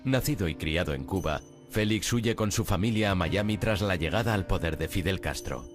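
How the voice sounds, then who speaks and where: Male documentary narrator, low register, scripted delivery, prominent music underneath. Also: normal speed.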